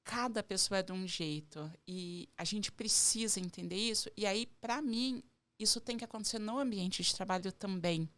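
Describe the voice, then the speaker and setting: An earnest woman with a strong country accent from the São Paulo interior. She explains things at length in a relaxed podcast chat, stringing her points together with many connecting words. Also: mid-range voice, moderate pace. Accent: rural São Paulo interior. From Barretos, Brazil. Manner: earnest, explains in long runs with many "então". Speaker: podcast guest, entrepreneur. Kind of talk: casual podcast conversation.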